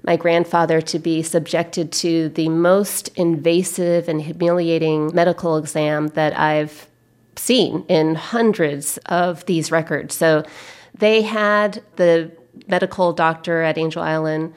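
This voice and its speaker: An American woman, a historian being interviewed, answering thoughtfully with measured, deliberate, halting phrasing. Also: low-pitched, fairly even intonation, a little mellow.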